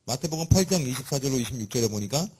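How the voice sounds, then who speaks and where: A man preaching a sermon in a lively, conversational and humorous way, with a husky voice. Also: medium pitch, very fast.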